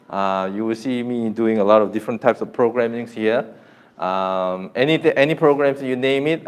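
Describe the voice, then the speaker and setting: A man's voice: mid-range voice, clean tone. A young man from Korea with a Korean accent, a native Korean speaker, teaching a beginner Korean class live online in an informal way and often restarting his sentences. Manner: energetic, coaxing the class to repeat louder.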